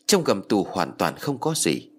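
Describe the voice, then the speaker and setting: A man narrating a ghost story in a dramatic, expressive style. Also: sits low, measured pace, slight background noise.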